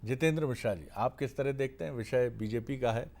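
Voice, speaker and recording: A man's voice: medium pitch, fairly quick, creaky, a little mellow. A man hosting a televised political debate, asking polite formal questions and murmuring assent. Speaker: TV debate host.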